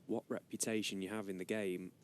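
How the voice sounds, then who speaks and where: A man giving measured live snooker commentary as a broadcast commentator. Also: little pitch movement. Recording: rumbly background noise.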